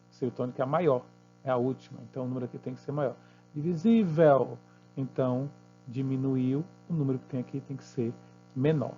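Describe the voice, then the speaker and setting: A Brazilian man teaching math, walking students through exercises patiently and checking in with quick tag questions. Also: medium pitch, warm tone, dull audio. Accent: Brazilian Portuguese.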